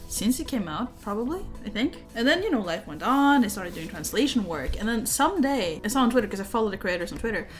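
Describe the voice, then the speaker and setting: A woman's voice: mid-range voice, big pitch swings, quick pace, few pauses, soft background music. A young woman with a Norwegian accent, a native Norwegian speaker, chatting casually in a show-and-tell vlog, rambling with many fillers. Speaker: vlogger.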